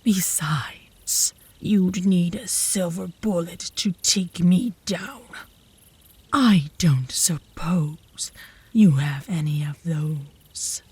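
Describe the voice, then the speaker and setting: Breathy, slow-talking flirty werewolf woman, acted by a woman. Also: fairly low pitch, darkish tone, no room sound, heavily acted. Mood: taunting. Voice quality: breathy, often dropping to a whisper. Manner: slow, teasing, seductive drawl. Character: flirtatious, obsessive werewolf woman, cocky rival. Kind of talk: ASMR roleplay, slow breathy teasing. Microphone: close ASMR microphone.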